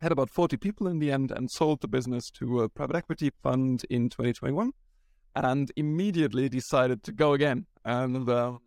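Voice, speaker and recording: A man's voice: mid-range voice, fairly quick, a little mellow, no echo, studio quality. A man from Germany, a startup founder, talking casually in an interview and often restarting his sentences with "um". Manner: rambling, frequent restarts and ums.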